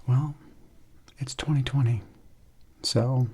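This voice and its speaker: A soft-spoken man doing an ASMR roleplay in an unhurried, reassuring manner. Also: medium pitch, fairly even intonation, slight background noise. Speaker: ASMR performer playing a substitute surgeon.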